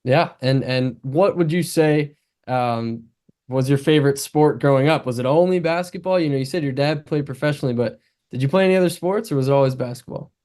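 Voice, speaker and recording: A man's voice: mid-range voice, fairly quick, darkish tone. A man hosting a sports podcast, asking a young player curious follow-up questions. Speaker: podcast host. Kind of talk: interview questions.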